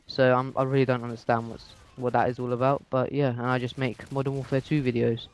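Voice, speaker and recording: A man's voice: mid-range voice, level tone, brisk. A sixteen-year-old male from England giving casual game commentary as a guest, in a hesitant, matter-of-fact way. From England, moved from Dubai aged two.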